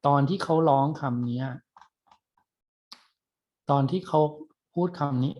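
A man's voice: mid-range voice, takes it slowly, dark tone. A middle-aged man giving a recorded university class lecture, chatting loosely with many fillers and restarts.

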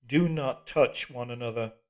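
A man's voice: mid-range voice, unhurried, close to an everyday voice. A man voicing a cold, commanding machine voice from a hidden telescreen, barking clipped orders in an audiobook. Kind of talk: audiobook character voice.

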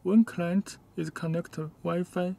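A man who is not a native English speaker gives a step-by-step hands-on demonstration inside a car, in halting, short, simple phrases. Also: high-pitched, fairly even intonation, creaky, dark tone. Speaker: product demonstrator.

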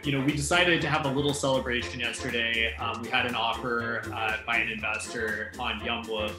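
A man in his thirties, a company chief, chatting as a guest on a video call in a relaxed, friendly way with many pauses. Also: medium pitch, over music. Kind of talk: casual video-call interview. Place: small room at home. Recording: echoey room on a video call.

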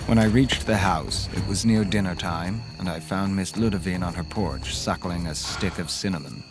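An actor plays an earnest, haunted man with a low voice. He tells his horror story in a measured, dramatic way, with faint music underneath. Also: close to an everyday voice. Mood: haunted recounting. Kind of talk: first-person audio drama narration.

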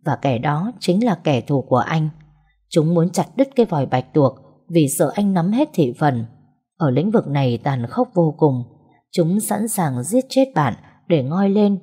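Low husky woman storyteller. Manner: steady, measured reading. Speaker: story narrator. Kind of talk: late-night storytelling narration.

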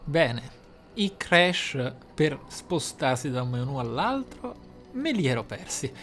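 A man's voice: medium pitch, very animated, takes it slowly, a bit bright. Theatrical man commentating a game over music. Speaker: gaming YouTuber, player. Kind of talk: game playthrough commentary with role-play musing.

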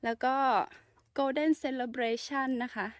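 Soft-spoken woman touring her garden. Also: high voice, steady tone, extremely slow, dry recording, clean studio sound. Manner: chatty, soft-spoken, polite with frequent particles. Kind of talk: casual garden tour vlog. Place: outdoor home garden.

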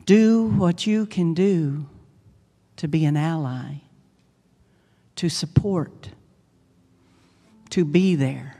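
Very slow, mellow woman guiding meditation. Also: low-pitched. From United States. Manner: hushed, soothing, deliberate phrasing with long pauses. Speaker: minister leading a guided meditation. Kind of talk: guided meditation. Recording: long reverb, music behind. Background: instrumental meditation music.

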